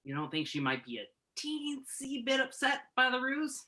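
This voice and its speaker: A man's voice: very high-pitched, sing-song, normal speed, pushed and bright, exaggerated voice. A man playing an exasperated, principled young journalist in a staged play reading, protesting with wry sarcasm in natural dialogue. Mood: reluctant.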